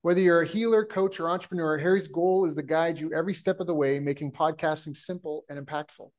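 Male podcast host, higher voice, playful, teasing questions. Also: fairly even intonation, fast, a little mellow. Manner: playful, joking teases. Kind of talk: casual interview.

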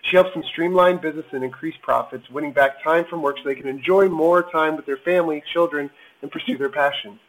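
A man's voice: fairly high pitch, a bit bright, rough recording. A man hosting a podcast, upbeat and eager as he introduces and questions his guest. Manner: upbeat, eager and quick-talking. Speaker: podcast host. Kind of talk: podcast interview and promo outro.

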